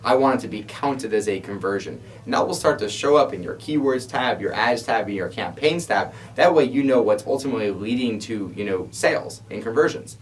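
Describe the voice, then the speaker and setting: A man with a fairly low voice, heard a little away from the microphone. He talks like a support specialist co-hosting a Q&A show, explaining step by step in informal, conversational language. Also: animated, brisk, few pauses, slight background noise. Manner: explanatory, informal, frequent "you know". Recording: distant mic pickup.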